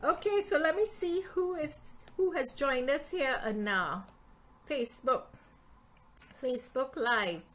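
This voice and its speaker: Middle-aged author from Trinidad and Tobago. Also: female voice, high-pitched, expressive, slow pace, fairly bright tone, rough recording. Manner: friendly, chatty, reads aloud from her book. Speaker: author hosting a live stream. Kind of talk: casual live-stream talk and reading.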